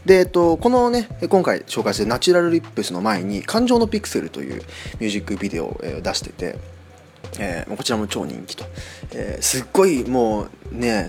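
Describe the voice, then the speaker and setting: A man hosting a casual solo podcast, chatting with lots of fillers. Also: creaky. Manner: chatty, many fillers, lively rising and falling pitch. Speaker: podcast host.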